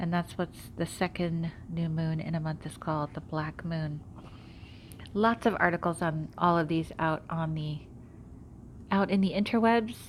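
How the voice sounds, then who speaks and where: A woman's somewhat breathy, fairly low-pitched voice with fairly even intonation and long, frequent pauses. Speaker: journaling and tarot card video host. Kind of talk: casual guided journaling talk. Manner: hesitant with fillers.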